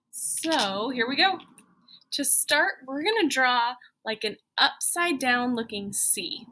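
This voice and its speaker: Here an elementary school teacher speaks in a high voice that sounds pushed and bright. She guides kids step by step through drawing, offering easy, upbeat directions while musing aloud.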